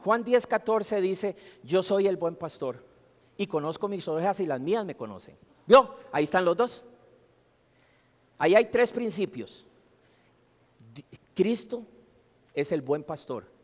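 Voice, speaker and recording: A man's voice: sits high, lively intonation, unhurried, long pauses. A man preaching a sermon in a church, asking the congregation emphatic rhetorical questions. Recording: long hall reverb.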